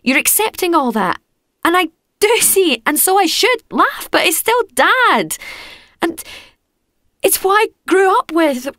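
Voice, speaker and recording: A woman's voice: very high-pitched, very animated, unhurried, a bit bright, dry recording, clean studio sound, pitched above the performer's own voice, full character voice. A woman playing an earnest, indignant grown-up daughter in a dramatic monologue. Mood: indignant, upset.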